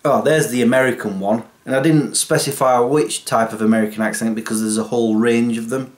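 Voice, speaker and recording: A man, chatting casually to camera in a self-mocking, animated way from a small home office. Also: mid-range voice, a little fast. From England. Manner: self-mocking, animated, waves hands while talking. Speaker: YouTuber. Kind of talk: casual vlog chat to camera.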